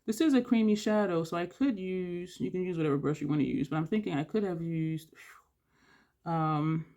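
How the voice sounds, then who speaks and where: Gravelly, rambling makeup vlogger. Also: mid-range voice, normal speed, warm tone. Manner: rambling, thinks aloud while working; audible breathing between phrases. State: congested-sounding. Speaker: beauty vlogger. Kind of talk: casual makeup tutorial chat.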